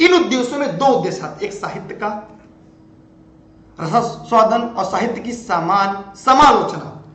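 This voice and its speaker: Lively teacher with a high voice, roomy echo. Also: male voice, normal speed. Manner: lively, chanting rhymes and telling stories with rising and falling tone. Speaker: exam prep teacher. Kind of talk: live online lecture.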